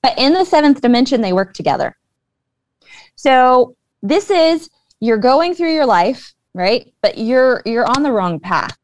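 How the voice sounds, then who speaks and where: A woman talks earnestly and at length, explaining ideas with plenty of "like" and "right?". Her voice sits a little high. The sound is dry and close. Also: sing-song, measured pace, darkish tone, dry recording. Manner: earnest, explanatory, many fillers. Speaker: guest, spiritual intuitive. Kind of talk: casual conversation.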